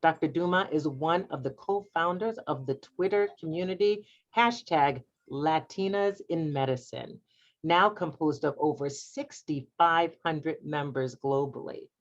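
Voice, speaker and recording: A woman's voice: low-pitched, unhurried. A woman hosting a closing ceremony, reading thanks and an introduction from a prepared script. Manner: formal, read from a prepared script. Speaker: program host. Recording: dull lo-fi sound.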